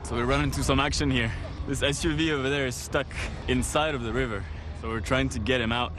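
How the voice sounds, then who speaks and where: A man from France, a photographer presenting on location with a lively manner. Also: medium pitch, quick pace, very noisy. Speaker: documentary photographer. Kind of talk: travel documentary presenting. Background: background music.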